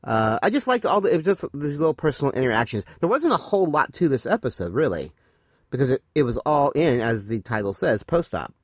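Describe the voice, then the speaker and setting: Co-host recapping an episode, loose and rambling, dead dry sound. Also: male voice, mid-range voice, big pitch swings, a little fast, dry recording. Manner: rambling, full of fillers. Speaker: podcast co-host. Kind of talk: casual chat reviewing a TV episode.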